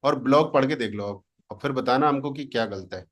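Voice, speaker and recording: A man leading an online class as a digital marketing coach, boastful and teasing, who slips English words into his Hindi. He speaks at an ordinary middle pitch. His voice comes through a computer mic on a video call. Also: brisk. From India. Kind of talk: live online class demo.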